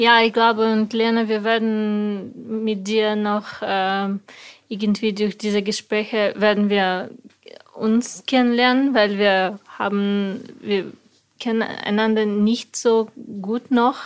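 In a Russian accent, a woman speaks very slowly at a fairly high pitch with monotone, flat intonation. The recording is very clean, with a silent background. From Kazakhstan. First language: Russian (speaking German). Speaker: art historian and cultural project worker. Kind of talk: casual chat. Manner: halting.

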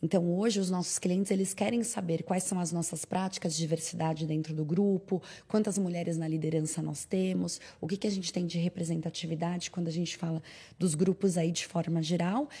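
A woman with a fairly low, somewhat breathy voice and a dark, mellow tone speaks at a fairly quick pace with fairly even intonation. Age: 30s. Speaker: diversity and inclusion manager. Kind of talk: podcast interview.

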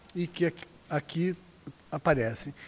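The speaker talks at a very slow pace. Pitch varies in an ordinary way. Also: man. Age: 70s. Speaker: economics professor. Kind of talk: lecture. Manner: halting.

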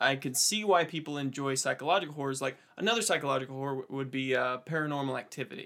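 In a very clean recording with a silent background, a man with an American accent talks at a very fast pace. His voice is fairly high, with a bright, sharp tone and ordinary pitch variation. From US Midwest (Missouri). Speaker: podcast co-host. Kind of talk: casual chat.

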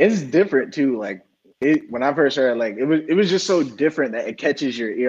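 A man talks at a fairly quick pace with lively intonation. He has an ordinary speaking voice at a medium pitch. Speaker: musician. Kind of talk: casual interview.

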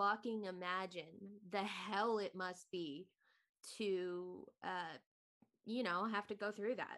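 Very slow delivery pairs with fairly even intonation. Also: woman, medium pitch for a woman. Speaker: podcast co-host. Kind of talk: casual chat.

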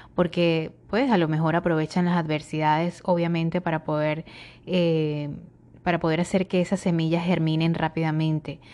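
Her voice is fairly low in pitch, with monotone, flat intonation and very even loudness at a moderate pace. The woman is recorded very cleanly against a silent background. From Venezuela, Falcón state. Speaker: podcast host. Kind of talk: solo podcast monologue. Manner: hesitant, many fillers.

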